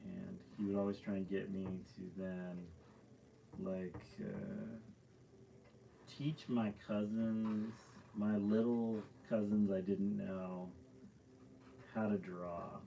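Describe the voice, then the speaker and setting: A man's voice: fairly low pitch, little pitch movement, takes it slowly, creaky, dark tone, slight background noise, poor audio. A man, a painter hosting a live stream from his art studio, chatting casually and rambling through loose stories with lots of fillers as he paints.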